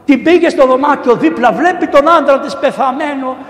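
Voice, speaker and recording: A middle-aged man, a priest, giving a sermon that retells saints' stories and acts out the people in them. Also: very high voice. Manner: animated storytelling, acts out voices of the people in the story. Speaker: priest and missionary preacher. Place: large church. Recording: echoey church with long reverb.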